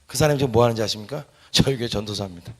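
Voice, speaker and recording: A man pastor preaching a sermon, telling stories with animated delivery that rises into shouts. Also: on the low side, racing. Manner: animated storytelling, rising to shouts.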